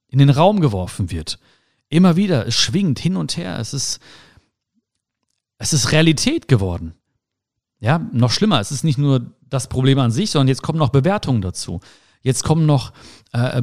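A man's voice: medium pitch, a little mellow. A young adult man hosting a podcast, giving reflective advice in a casual monologue and speaking straight to the listener. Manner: reflective, talks straight to the listener, acts out little dialogues. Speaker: podcast host.

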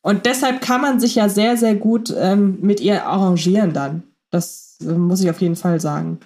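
A woman's voice: mid-range voice, steady tone, normal speed, darkish tone. Reflective woman in a casual podcast chat. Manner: reflective, many fillers, long winding sentences. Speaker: podcast co-host. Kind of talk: casual fan podcast discussion.

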